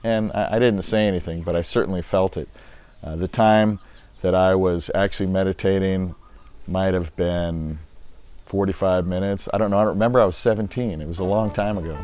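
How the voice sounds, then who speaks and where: A man's voice: sits low, steady tone, fairly quick, a little mellow, no room sound. An older man, recently retired, talking casually to camera in a rambling, easygoing way with many fillers. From United States. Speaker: vlogger.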